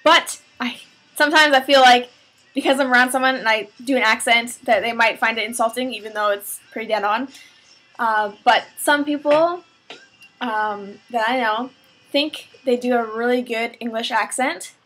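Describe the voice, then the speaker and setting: A young Canadian woman chatting away on her vlog, her voice a little high and breathy. She rambles loosely, stopping and restarting often with plenty of fillers. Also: normal speed, a bit bright, rough recording. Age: young adult. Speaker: vlogger.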